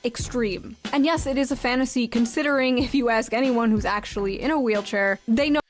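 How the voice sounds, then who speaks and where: A woman's voice: on the high side, fairly quick. A woman giving opinionated video commentary in a sardonic, foul-mouthed way. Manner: sardonic, profane.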